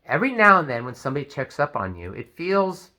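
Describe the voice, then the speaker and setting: Animated man with a bright, lively voice. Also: on the high side, fast talker. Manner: animated, acts out quoted speech. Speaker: vlogger. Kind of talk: advice video talk.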